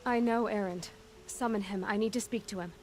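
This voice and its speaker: A woman's voice: medium pitch, fairly even intonation, brisk, slight background noise, natural voice. A woman voicing a determined, blunt young female tribal warrior in a video game. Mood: insistent. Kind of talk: cinematic video game acting.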